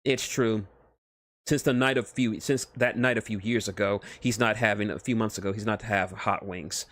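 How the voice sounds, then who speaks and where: A man voicing a stern, exasperated wife with a flat, scolding manner in a comic story reading. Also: on the low side, moderate pace, no room sound, natural voice.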